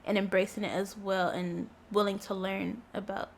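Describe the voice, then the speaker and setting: A young woman being interviewed, giving relaxed, short answers with frequent giggles. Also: mid-range voice, normal speed, creaky, slight background noise. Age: young adult. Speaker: interview guest. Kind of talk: casual interview chat.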